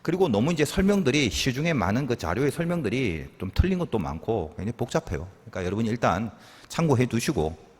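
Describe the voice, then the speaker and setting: A male pastor preaches in a relaxed, conversational teaching style, asking the congregation rhetorical questions, answering them himself, and adding asides. His husky voice swings widely in pitch at a quick pace, and the long reverb of a church hall surrounds it.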